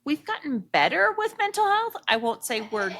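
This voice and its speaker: A woman's voice: sits high, big pitch swings, moderate pace, fairly bright tone. A woman hosting a casual interview, asking the questions and chatting with the guest. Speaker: interviewer, show host.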